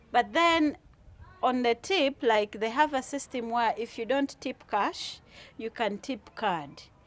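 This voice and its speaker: A woman's high-pitched voice, very slow, with lively intonation. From Uganda. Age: young. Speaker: returned migrant worker building a house. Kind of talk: casual interview, storytelling. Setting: at her home. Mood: reflective, sometimes frustrated. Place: garden.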